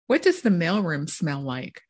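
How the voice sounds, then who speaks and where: A woman's voice: fairly low pitch, huge pitch swings, breathy edge. A woman co-hosting a podcast, playfully quizzing the others on movie trivia. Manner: playful quizmaster, unhurried. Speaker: podcast co-host running a trivia quiz. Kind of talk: casual chat.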